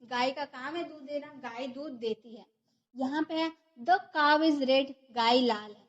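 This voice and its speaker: A woman's voice: high voice, slow pace, dull audio. A woman teaching a grammar lesson, who explains step by step and asks and answers her own questions. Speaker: English teacher.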